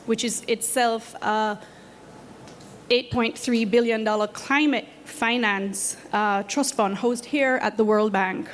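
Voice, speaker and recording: A woman with a Jamaican accent giving a prepared talk as a program head, earnest and measured. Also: fairly high pitch, long reverb tail, slight background noise. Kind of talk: prepared presentation. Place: event space at a conference.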